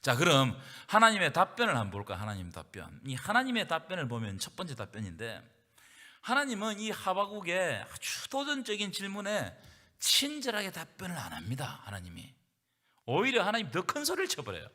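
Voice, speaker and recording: A man's voice: high voice, wildly swooping pitch, brisk, bright, forceful tone. A male pastor leading a Bible study, preaching with rhetorical questions and calling the congregation to read along. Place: church hall. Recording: reverberant church hall.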